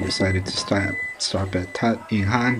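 Noticeable background noise sits behind the recording. A man speaks at a fairly low pitch. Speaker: travel vlogger. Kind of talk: casual travel vlog narration. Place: open country. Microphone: phone near.

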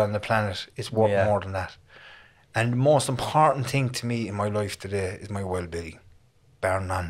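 Over a quiet background, a man speaks with a Cork accent. His pitch is fairly low, with ordinary variation. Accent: Cork Irish. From Ireland. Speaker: podcast host in recovery; podcast guest. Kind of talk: casual chat. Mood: heartfelt, reflective. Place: studio. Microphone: studio mic.

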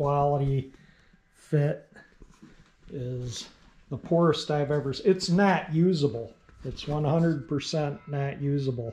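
Speech comes at a very slow pace with long, frequent pauses and ordinary pitch variation. Faint music plays in the background. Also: man. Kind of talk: casual vlog chat. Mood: frustrated about poor part fit. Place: garage. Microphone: phone near.

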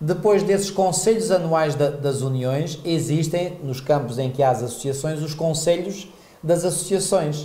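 Audible room echo surrounds a man speaking at a fairly slow pace. His fairly high pitch shows ordinary variation. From Mozambique. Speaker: pastor. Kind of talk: Bible study discussion. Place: studio. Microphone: lapel.

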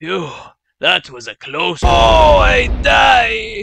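A man shouts in a raspy, cartoonish character voice. His pace is very slow. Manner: overly polite, repetitive, then panicked.

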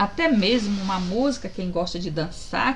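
A woman talks at a moderate pace with ordinary pitch variation against noticeable background noise. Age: 50s. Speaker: painting livestreamer. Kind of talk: live painting tutorial with chat. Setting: livestream. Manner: casual and chatty. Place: home room.

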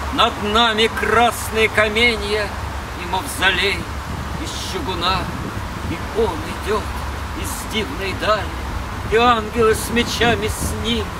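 A man speaks at a very slow pace with long, frequent pauses. Loud background noise runs behind him. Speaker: poetry reciter. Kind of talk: poetry reading. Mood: solemn, dramatic. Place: open country.

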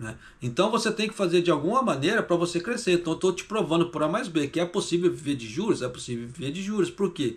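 A man speaks at a very fast pace with a high pitch. His intonation is lively. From Brazil. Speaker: YouTuber commenting on news; finance vlogger. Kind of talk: casual news commentary monologue; casual vlog commentary. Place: home room. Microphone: webcam.

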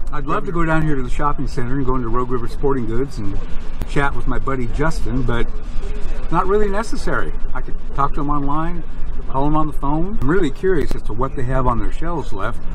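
A man talking at a very fast pace, with very even loudness, ordinary pitch variation, and a dry sound with no echo over noticeable background noise. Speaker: vlogger. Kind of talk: casual vlog chat. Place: car. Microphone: phone near.

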